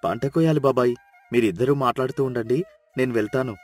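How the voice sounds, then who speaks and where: Man as young farmer son, medium pitch, earnest and respectful, storybook dialogue, faint music. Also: fast talker, a little mellow, natural voice. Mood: dutiful.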